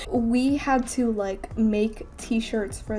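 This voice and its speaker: A woman's fairly high-pitched voice over music in the background. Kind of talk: casual talk to camera.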